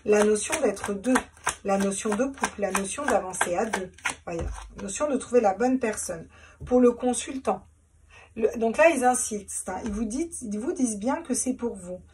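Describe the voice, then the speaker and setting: A woman's voice: medium pitch, moderate pace, a little mellow, far from the mic, a little hiss or hum. A woman doing a casual tarot reading, chatty, repeating herself and laughing at her own jokes. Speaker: tarot reader.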